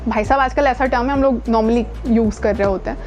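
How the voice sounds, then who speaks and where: Higher-pitched Indian woman coaching on speech. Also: brisk, a little mellow, dull audio, soft background music. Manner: code-switches into English, stresses key words. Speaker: voice training coach and presenter. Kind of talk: instructional talk to camera, conversational.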